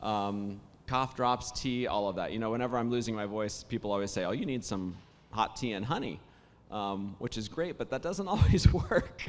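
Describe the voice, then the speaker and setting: A man who is a voice actor, hoarse after days of talking, telling stories in casual panel conversation with plenty of restarts and fillers. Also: fairly low pitch, animated, moderate pace, long reverb tail. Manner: warm storytelling, many restarts and fillers.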